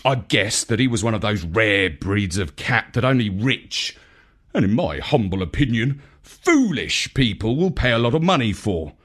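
A man narrating a children's space story in an expressive, dramatic, measured way, as a wry dog adventurer. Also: fairly low pitch.

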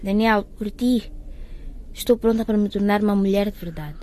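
A woman's voice: medium pitch, normal speed, mellow, lightly acted. A woman playing an anxious, guilt-ridden young student in love in a radio drama monologue. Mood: tender. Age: young adult.

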